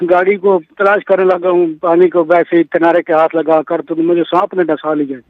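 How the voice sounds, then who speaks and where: A man from Pakistan, phoning in to a call-in show and telling his dream in halting, simple words. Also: on the high side, level tone, no echo. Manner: halting, simple village speech. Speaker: caller. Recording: tinny dry phone line.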